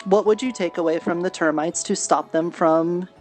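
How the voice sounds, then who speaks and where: Low-voiced woman in roleplay over music. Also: moderate pace, darkish tone. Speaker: roleplayer in a virtual-reality game. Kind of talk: improvised in-character roleplay chat.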